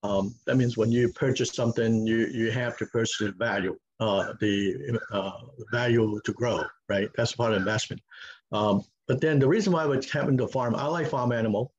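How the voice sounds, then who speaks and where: A man in his fifties from Hong Kong with a Hong Kong accent, answering interview questions on a video call in halting English full of fillers and restarts. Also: medium pitch, slightly rough. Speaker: farm owner, guest. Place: home room with log walls, indoors. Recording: muffled video call audio.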